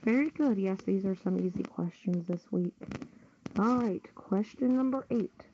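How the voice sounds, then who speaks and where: A woman's voice: medium pitch, moderate pace, noisy background. A woman hosting a group podcast quiz, reading out questions and confirming answers. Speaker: quiz host. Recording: dull, lo-fi online audio.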